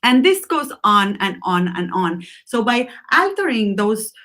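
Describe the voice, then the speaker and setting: A woman's voice: mid-range voice, big pitch swings, unhurried, sharp tone. A woman from Argentina teaching a lettering class, speaking off the cuff with many ums and restarts. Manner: unscripted, many fillers and restarts. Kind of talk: class lecture.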